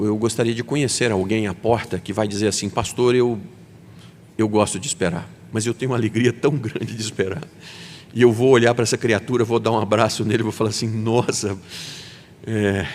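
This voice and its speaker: A man's voice: fairly low pitch, normal speed, a little mellow, a little hiss or hum. A man with a Brazilian Portuguese accent, preaching a sermon as pastor and acting out quoted voices. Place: church sanctuary. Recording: long hall reverb.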